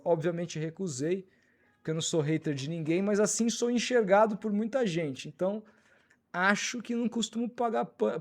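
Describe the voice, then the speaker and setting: A man's voice: sits high, a little mellow. A man hosting a live football talk stream, reading viewer comments and answering critics in a blunt, informal way. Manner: blunt, fast-talking, informal. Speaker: channel host reading superchats.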